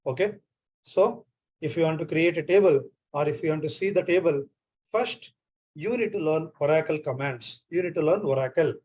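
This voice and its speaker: Indian male trainer, fairly high voice, repetitive online-class delivery over a laptop mic. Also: darkish tone, slightly rough. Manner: repeats phrases often, checks on students.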